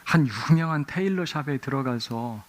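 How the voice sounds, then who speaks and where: A middle-aged male pastor delivers a Sunday sermon with a voice that sits a little higher than most men's. He tells stories with energy, bursting into acted-out shouts and quoted lines as he preaches in a church sanctuary. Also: moderate pace. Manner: animated storytelling with acted-out exclamations.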